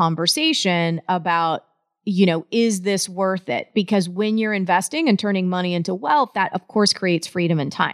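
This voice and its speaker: A woman with an American accent and an animated tone, at a moderate pace, in a dry, close sound with no echo against a quiet background. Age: 40s. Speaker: podcast host and life coach. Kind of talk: solo podcast monologue.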